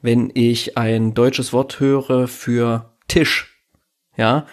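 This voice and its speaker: A man's voice: medium pitch, level tone, drawn-out words. A man hosting a casual podcast, talking in his native German in a reflective, rambling way with restarts and fillers. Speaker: podcast host.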